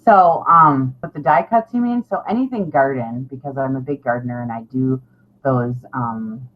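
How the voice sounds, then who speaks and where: With a very deep voice at a moderate pace, a middle-aged woman talks to her craft-vlog audience in a loose, rambling way, informal, self-deprecating and a little salty. The audio is dull and lo-fi, and background noise is clearly audible.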